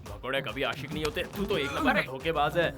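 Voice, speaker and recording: An actor dubbing a jealous, lovesick young man who rants loudly. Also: fairly high pitch, animated, quick pace, natural voice. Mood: ranting. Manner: loud, ranting, emotional. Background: film score music.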